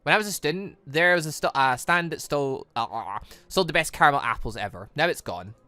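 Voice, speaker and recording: Animated bright-voiced man, gaming commentary. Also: on the high side, brisk, no echo. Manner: stumbles over words and corrects himself. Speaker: gaming channel host. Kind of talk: visual novel read-aloud with off-the-cuff commentary.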